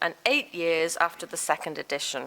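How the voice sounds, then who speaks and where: A woman with a Liverpool accent speaks in a bright, sharp tone. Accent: Liverpool (Scouse) English. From northern England, Liverpool. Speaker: academic author, fashion studies. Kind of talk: lecture. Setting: conference stage with audience. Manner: hesitant with fillers.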